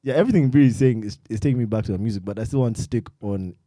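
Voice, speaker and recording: A man's voice: fairly low pitch, racing, dark tone, dry recording, clean studio sound. A man hosting a podcast, chatting casually and teasing his guest playfully. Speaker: podcast host.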